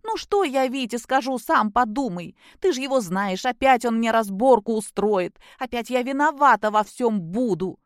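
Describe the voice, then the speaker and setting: A woman's voice: fairly high pitch, lively intonation, moderate pace, hardly any pauses, no echo, clean studio sound, voice pushed up, close to an everyday voice. A woman voicing a drunk, spiteful young mother who talks in a slurred, mocking, whiny way.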